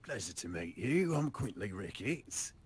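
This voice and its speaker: A man's voice: lowish voice, very animated, unhurried, breathy edge, exaggerated voice. A man voicing a polite, genteel adventurer in a tabletop fantasy game, with a wordy, diplomatic manner. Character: polite, genteel male adventurer smoothing over quarrels.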